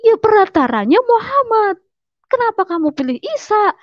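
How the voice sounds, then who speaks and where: A woman's voice: high voice, moderate pace, no room sound, highs cut off, close to an everyday voice. A woman putting on her angry older brother, a religious teacher, as he interrogates her. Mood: demanding. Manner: demanding, interrogating.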